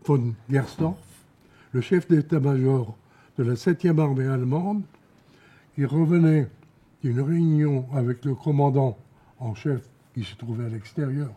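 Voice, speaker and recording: Elderly man with a very dark, husky voice. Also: medium pitch. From Alsace, France. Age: elderly, around 90. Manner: halting, repeats words, pauses between short phrases. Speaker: war veteran giving eyewitness testimony. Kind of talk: spoken testimony, recounting memories.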